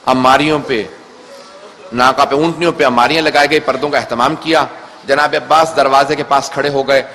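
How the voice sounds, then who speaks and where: A man's voice: mid-range voice, steady tone, pushed and bright, big-room sound, slight background noise. A man, a Muslim cleric, gives an emotional mourning sermon at a Muharram gathering, telling the story in a pleading way. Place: mosque or hall before a gathering.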